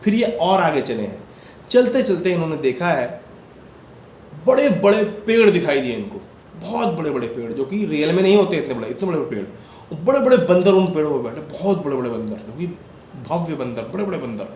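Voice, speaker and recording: A man's voice: on the high side, big pitch swings, brisk, a little mellow, roomy sound, a little hiss or hum. A man hosting a devotional channel, casually retelling a viewer's dream experience in a conversational way, repeating words and asking listeners questions.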